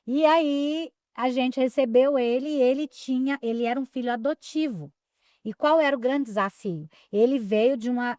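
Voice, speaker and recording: A woman's voice: sits high, dry recording, studio quality. A woman pastor, telling stories in a casual podcast chat and answering with frequent affirming interjections. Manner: warm affirming interjections, reflective storytelling.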